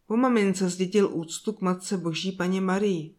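A woman narrating a fairy tale in a slow, soft storytelling manner with drawn-out pauses. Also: mid-range voice.

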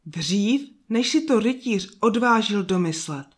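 A woman narrating a children's fairy tale in a calm, soft and slow reading voice. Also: medium pitch. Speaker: storyteller. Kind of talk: scripted storybook narration.

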